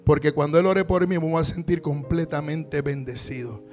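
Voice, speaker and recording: A man preaching a sermon, calling on the congregation to repeat after him and rising to shouts. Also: on the high side, normal speed, soft background music. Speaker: pastor.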